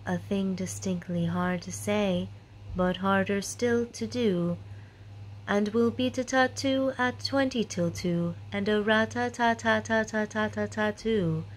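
A young adult woman reciting tongue-twister vocal warm-ups in a rhythmic, playful way with deliberate enunciation, recorded on a phone at arm's length. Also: medium pitch, a little hiss or hum, low-quality recording. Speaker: voice performer recording a sample reel.

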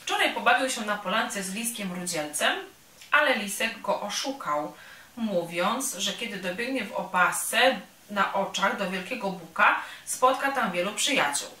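A woman reading a children's story aloud at a cultural centre workshop in a calm, gentle, unhurried way. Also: medium pitch. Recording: roomy sound from a distant mic.

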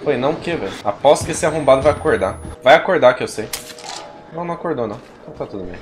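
A man in his thirties from Brazil streaming a horror game, swearing constantly and yelping in fright, his voice going hoarse. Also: medium pitch, animated, very fast, a little hiss or hum. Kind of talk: live gameplay commentary. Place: home streaming room. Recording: game music underneath.

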